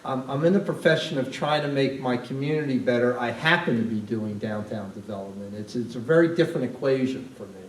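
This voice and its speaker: An older man, a retired downtown development president, speaking on a panel in a library event room, halting with many restarts and repeated words. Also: medium pitch. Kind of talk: panel discussion answering questions. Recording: roomy, distant mic, faint hiss.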